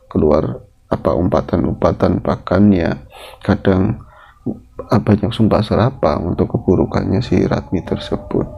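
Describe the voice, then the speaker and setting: Male horror storyteller, gravelly, chatty and rambling, on a dull lo-fi recording. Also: low voice, mellow. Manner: chatty, loose, filler-heavy. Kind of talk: casual spoken horror storytelling.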